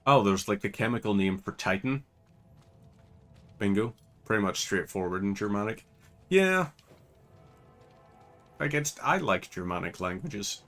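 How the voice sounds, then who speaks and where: A man's voice: lowish voice, animated, measured pace, long pauses, a bit bright, soft background music. An Irish man giving casual, rambling commentary while playing a game, with lots of fillers. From Ireland. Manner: rambling, chatty, many fillers. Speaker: gaming channel host.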